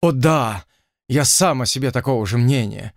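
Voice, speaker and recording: A man's voice: mid-range voice, moderate pace, creaky, dry recording, clean studio sound, natural voice. A man voicing a smug, lecherous aristocratic envoy who talks in a languid, self-satisfied and pompous way.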